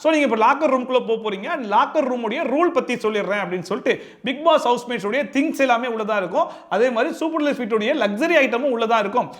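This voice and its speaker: A man reviewing a reality show in fast, opinionated commentary, sarcastic and animated, full of rhetorical questions. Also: very high voice.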